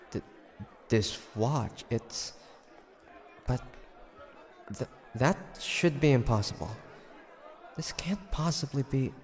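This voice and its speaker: A man playing a hesitant, gentle young demon hunter in an intimate audio roleplay, with halting, murmured delivery. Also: mid-range voice, gravelly. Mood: stunned disbelief. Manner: halting, murmured musing, stammers when flustered.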